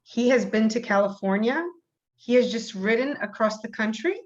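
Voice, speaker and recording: A woman's voice: on the high side, moderate pace, natural voice. A woman playing a shy, earnest middle-aged visitor full of wonder in a play reading, speaking hesitantly over a video call. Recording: dull video call audio.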